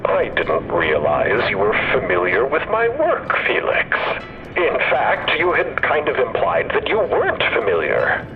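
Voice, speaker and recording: Smug scholar, teasing, animated pitch, radio-filtered audio drama. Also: male voice, unhurried. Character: famous cosmologist author, smoothly needling an admirer. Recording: thin phone-like filtered sound.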